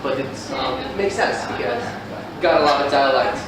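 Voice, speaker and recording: A man's voice: medium pitch, lively intonation, normal speed, a crowd in the background. A man co-hosting a casual language-learning chat, chatty and laughing often. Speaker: co-host. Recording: echoey room, far mic, noisy.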